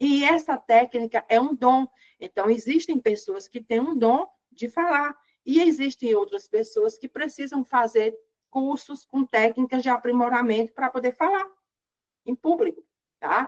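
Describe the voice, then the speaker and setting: The sound is dry and close, with no echo. A woman with a high pitch speaks at a fairly slow pace with lively intonation. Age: 60s. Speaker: doctor and women's health educator. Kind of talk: informal talk to camera. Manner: fluent, practiced public speaker.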